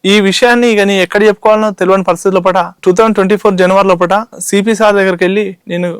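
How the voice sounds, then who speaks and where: A man's voice: sits high, fairly even intonation, fast, clear, resonant tone, no room sound. A man with a Telangana Telugu accent, giving an urgent interview about his grievance, recounting dialogue and addressing the interviewer as sir. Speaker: chit fund victim interviewee. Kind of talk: interview testimony.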